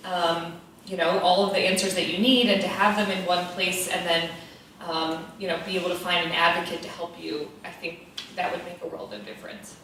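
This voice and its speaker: A woman on a panel explaining resources in a measured, informative way with frequent ums. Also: lowish voice, level tone, a bit bright, a little hiss or hum. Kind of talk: panel discussion. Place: event hall. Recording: echoey hall from far off.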